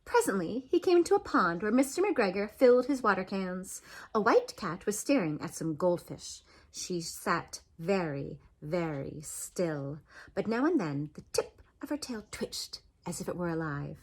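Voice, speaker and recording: A woman reading a children's story aloud as an animated narration, expressive, with dramatic swoops and pauses. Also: lowish voice. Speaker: storybook reader.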